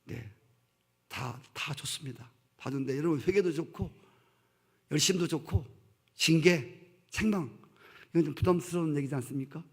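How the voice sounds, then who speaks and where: A man's voice: on the high side, normal speed, long pauses, breathy edge. A male pastor preaching a sermon, emphatic, questioning his congregation directly and acting out stern voices in quoted speech.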